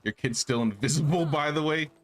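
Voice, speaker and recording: A man's voice: on the high side, fairly quick, soft background music. A man casually chatting with viewers and answering their messages while he plays a game. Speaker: gaming streamer. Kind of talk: casual live-stream chat while playing.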